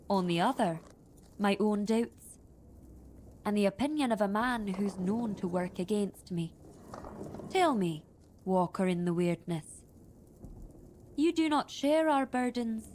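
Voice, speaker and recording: A woman voicing a proud, reluctant tribal chieftain in a fantasy game, speaking in deliberate, formal, wary phrases. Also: mid-range voice, darkish tone, a little hiss or hum. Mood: solemn, deliberating. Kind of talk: dramatic fantasy game dialogue. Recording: music behind the voice.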